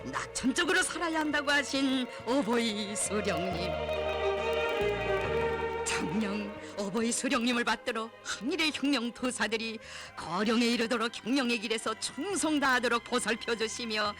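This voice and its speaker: Casting: male narrator, North Korean accent, extremely high voice, reverent declamatory propaganda read over clear music. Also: normal speed. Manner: reverent, solemn, emotive declamation. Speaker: documentary narrator. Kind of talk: scripted propaganda film narration.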